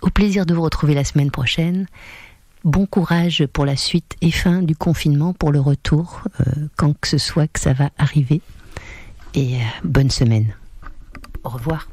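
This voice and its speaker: Mellow-voiced woman radio host signing off. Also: low voice, no echo. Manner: addresses listeners directly, hesitant with pauses. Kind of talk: radio show sign-off. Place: radio studio.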